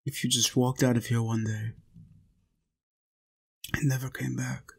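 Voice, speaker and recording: Slow, even-toned man as a lonely vampire. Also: medium pitch, gravelly, slightly rough. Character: lonely, tender centuries-old male vampire in a castle. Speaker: roleplay audio performer. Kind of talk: intimate scripted roleplay audio acting.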